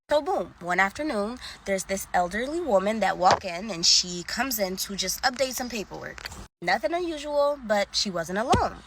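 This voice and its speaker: A woman's voice: fairly high pitch, noisy background. A woman telling scary stories in a casual, chatty way and talking straight to her viewers like friends. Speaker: social media storyteller. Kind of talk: casual scary story time.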